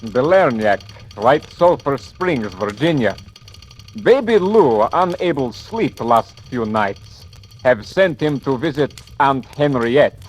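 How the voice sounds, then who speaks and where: Slow sing-song telegram reading for a vintage radio drama, heard from a distance. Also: male voice, medium pitch, sing-song, a little hiss or hum. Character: male voice reading a coded telegram. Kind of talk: 1940s radio acting.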